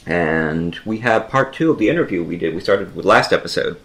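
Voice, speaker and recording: A man co-hosts a horror podcast in easy, upbeat chat. His low voice moves a lot and stays animated. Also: a little fast. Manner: upbeat and chatty, laughs easily. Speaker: podcast co-host. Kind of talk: casual chat.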